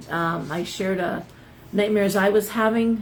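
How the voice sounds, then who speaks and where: A woman speaks at a medium pitch with audible room echo. Noticeable background noise is present. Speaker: shop owner hosting a livestream. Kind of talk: live stream chat. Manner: fast when excited; animated.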